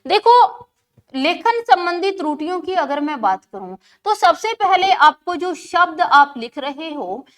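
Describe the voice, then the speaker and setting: A woman's voice: very high-pitched, sing-song, measured pace, fairly bright tone. A woman teaching an exam-prep lesson who keeps asking questions and answering them herself, repeating key words for emphasis.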